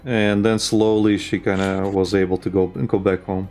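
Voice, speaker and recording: A man's voice: low voice, little pitch movement, moderate pace, darkish tone, soft background music. A man co-hosting a casual chat show, rambling with lots of fillers and restarts. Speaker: podcast co-host.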